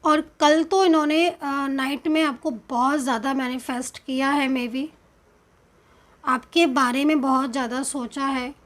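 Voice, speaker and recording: A woman with a high, light voice and an Indian accent talks through a tarot reading. She speaks slowly and hesitantly, filling pauses with small sounds as she works out each card. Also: fairly even intonation, fairly bright tone. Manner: slow, hesitant, explanatory, with many fillers.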